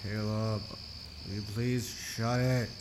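A man playing an irritated companion pleading for quiet in an audio horror drama. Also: on the low side, flat delivery, slow pace. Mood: weary, annoyed. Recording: noisy outdoor insect ambience.

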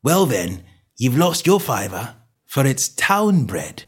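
A man's voice: on the high side, sing-song, unhurried, pitched above the performer's own voice, exaggerated voice. A man voicing a cocky, stubborn, snappish poultry salesman in a story reading, with combative colloquial talk.

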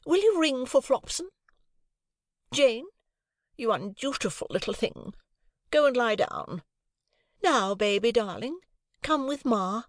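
A haughty, imperious gentlewoman who speaks high and shrill, as a male narrator puts her on, full of wounded dignity. The recording is dry and close. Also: animated, takes it slowly, pauses often, dry recording, exaggerated voice. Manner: shrill, indignant and affronted.

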